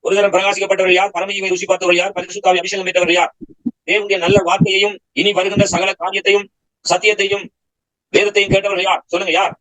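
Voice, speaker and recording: A man's voice: high-pitched, flat delivery, fast talker, fairly bright tone, low-quality recording. A man preaching a Bible study sermon, firing rhetorical questions at his listeners and pressing his points with emphatic exhortation.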